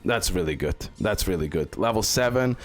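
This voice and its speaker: A man's voice: sits low, lively intonation, moderate pace. A man giving casual, unscripted gameplay commentary as a video host, often repeating short phrases over and over.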